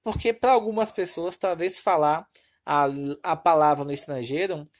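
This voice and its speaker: A woman's voice: fairly low pitch, moderate pace. A woman from Brazil teaching a recorded Portuguese lesson, explaining step by step and often checking in with her students. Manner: explanatory, repeats points with "tá bom?" checks.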